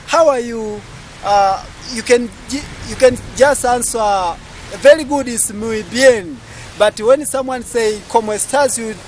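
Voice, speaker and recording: A man's voice: extremely high pitch, a little hiss or hum. A young Tanzanian man with a Tanzanian accent, hosting a casual interview outdoors and holding the phone at arm's length, chatting and restating answers for his viewers. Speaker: vlogger host. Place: outdoors by a market street. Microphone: handheld phone at arm's length.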